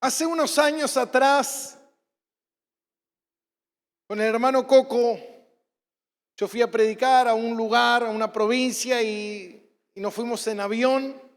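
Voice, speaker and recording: High-voiced Argentine pastor in echoing hall. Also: male voice, fairly even intonation, slow, long pauses. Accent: Rioplatense Spanish. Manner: storytelling, acts out scenes, bursts into shouts. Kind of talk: sermon. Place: church hall. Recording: church hall reverb.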